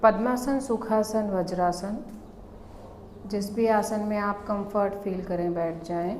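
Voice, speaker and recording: Female meditation instructor, calm and very unhurried, short phrases with long gaps, slight ambient noise. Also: medium pitch, low-quality recording. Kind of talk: guided meditation.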